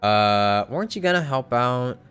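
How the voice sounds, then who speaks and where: A woman streamer making quiet offhand comments while playing a game. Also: a bass voice, animated, normal speed, over music. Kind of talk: casual reactions over gameplay.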